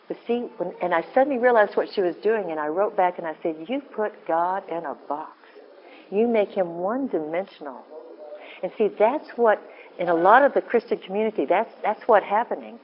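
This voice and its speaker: A woman with a deep voice giving an informal, earnest talk to a women's group, often breaking off and restarting. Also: lively intonation, moderate pace, dull audio. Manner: rambling, self-interrupting, earnest. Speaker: women's ministry speaker.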